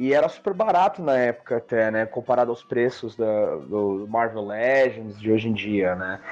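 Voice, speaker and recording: Over noticeable background noise, a man speaks at a moderate pace and medium pitch with ordinary pitch variation and hardly any pauses. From São Paulo, Brazil. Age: 30s. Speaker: illustrator and comic artist, listener. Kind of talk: recorded voice message. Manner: halting, many fillers.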